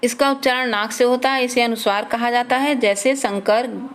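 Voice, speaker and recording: A woman's voice: a little high, steady tone, moderate pace. A woman teaching a children's grammar lesson, reading out letters and example words one at a time.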